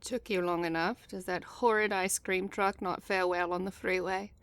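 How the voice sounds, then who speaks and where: A woman's voice: fairly low pitch, fairly even intonation, normal speed, fairly bright tone. A woman playing a haughty, bloodthirsty vampire daughter in an audio drama, sardonic and formal. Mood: haughty amusement.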